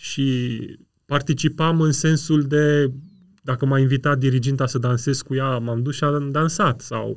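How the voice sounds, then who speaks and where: At a fairly slow pace, a man speaks in an unremarkable speaking voice with a fairly high pitch and fairly even intonation. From Romania, Dâmbovița county. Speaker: theology professor. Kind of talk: casual interview, life story.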